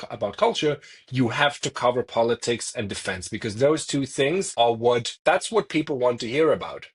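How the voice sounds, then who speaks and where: A man's voice: mid-range voice, husky. A man in his thirties from Denmark, a freelance journalist answering interview questions thoughtfully, often restarting and repeating words mid-sentence. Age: 30s. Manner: thoughtful, frequent restarts, repeats words while searching for phrasing. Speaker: freelance journalist, podcast guest.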